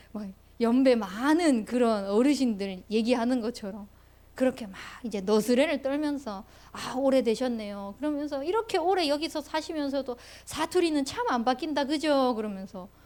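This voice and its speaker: A woman's high voice in a Gyeongsang accent, with lively intonation and a moderate pace. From Gyeongsang region, South Korea. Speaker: pastor. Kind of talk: sermon. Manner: conversational.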